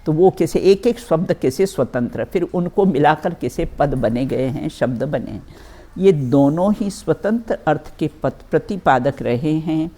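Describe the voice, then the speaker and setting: Speaking slowly in a low, expressive, mellow voice, a woman teaches religion by reading scripture aloud and explaining it through everyday examples. She calls her listeners children and often checks in with "है ना" and "बिल्कुल".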